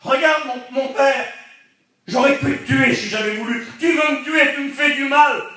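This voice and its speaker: A preacher acting a humble pleading fugitive. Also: male voice, on the high side, brisk, natural voice. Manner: earnest, pleading, emphatic. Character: humble young male fugitive, pleading with a king. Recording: echoey hall from far off.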